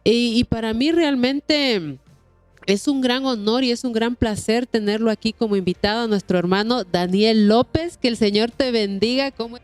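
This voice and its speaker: A woman's voice: on the high side, normal speed, no room sound, faint music behind. A woman hosting a Christian programme, speaking in a courteous, devout, repetitive way. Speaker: host of a Christian testimony programme. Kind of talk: warm religious interview talk.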